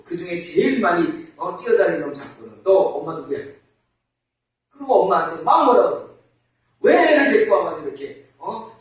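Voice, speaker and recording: A middle-aged man preaching a sermon as pastor, talking in a lively, conversational way and asking the congregation questions. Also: high-pitched. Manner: animated, conversational, asks the congregation rhetorical questions. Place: church sanctuary. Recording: very echoey church hall from far off.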